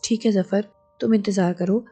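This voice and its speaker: A woman voicing a young husband, calm and reassuring, with gentle, steady dialogue reading. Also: mid-range voice, normal speed, husky, soft background music.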